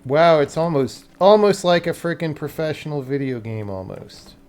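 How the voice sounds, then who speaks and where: Slightly high-pitched and a little mellow, a man livestreams his game programming at a moderate pace with lively intonation. He thinks out loud in short, casual bursts, blunt and sardonic, with some casual swearing.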